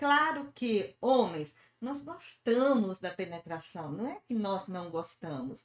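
Her pitch is medium for a woman but swings very widely. The woman speaks at a very slow pace. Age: 50s. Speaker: sexologist. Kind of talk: radio interview. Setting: radio studio.

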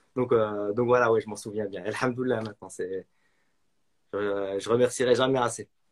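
The speaker talks at a moderate pace, leaving long, frequent pauses. The delivery is flat and monotone, yet the loudness swings widely. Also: man, medium pitch for a man. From France, raised from age 5 (born in Fès, Morocco). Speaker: maths educator and aeronautics materials engineer. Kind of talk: casual interview chat.

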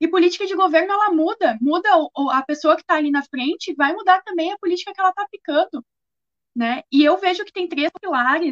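With ordinary pitch variation, a woman speaks at an extremely high pitch. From Rio Grande do Sul, Passo Fundo. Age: 20s. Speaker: youth political activist. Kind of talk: political discussion.

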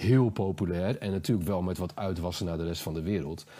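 In a very clean recording with a silent background, a man with a dark, mellow tone talks at a fairly quick pace. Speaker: podcast co-host. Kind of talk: casual chat. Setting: at home.

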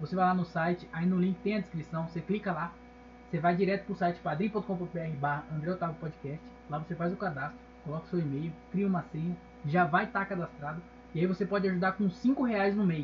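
A man's high-pitched voice at a fairly quick pace, over noticeable background noise. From São Paulo, Brazil. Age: 20s. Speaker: podcast host and comedian. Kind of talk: casual solo monologue. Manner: animated. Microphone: poor audio quality.

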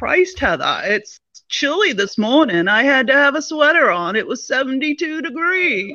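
In a put-on character voice with a strong Maine accent, a woman speaks high-pitched at a moderate pace, her pitch swinging very widely. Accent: thick Maine.

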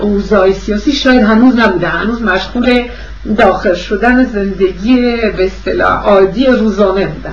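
With a French accent, a woman talks at a moderate pace and medium pitch, her intonation fairly even. Audible room echo and noticeable background noise are present. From Switzerland, Lausanne. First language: French (speaking Persian). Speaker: interviewee, wife of Iranian doctor. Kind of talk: oral history interview. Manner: halting.

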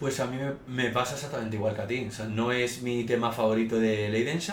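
A man at medium pitch and moderate pace, in a Castilian accent, with audible room echo. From Spain (Madrid area). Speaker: music podcast co-host. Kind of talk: casual chat.

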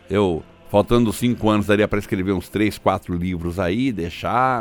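A man's unremarkable speaking voice at a moderate pace, fairly low in pitch with ordinary pitch variation. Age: 50s. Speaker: pastor. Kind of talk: sermon.

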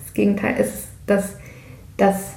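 Noticeable background noise and audible echo from the room come through as a woman talks. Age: 40s. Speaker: podcast co-host. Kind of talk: casual chat.

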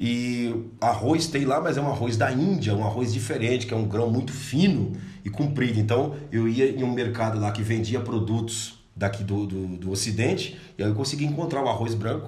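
Over noticeable background noise and audible room echo, a man talks at a moderate pace with a medium pitch and ordinary pitch variation. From Brazil. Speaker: pastor and tour guide in Israel. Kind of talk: casual interview chat. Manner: halting, frequent word repetitions.

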